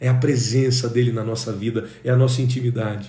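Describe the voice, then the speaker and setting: There is audible room echo as a man speaks at a fairly slow pace and medium pitch. His voice is somewhat breathy, with fairly even intonation. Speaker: preacher and teacher. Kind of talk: lecture. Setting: livestream.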